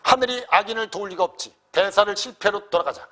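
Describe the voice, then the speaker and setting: A man's voice: sits high, quick pace, bright, forceful tone. A man reading as an accusing stern stepmother. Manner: accusing, scolding. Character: scheming stern stepmother, middle-aged woman.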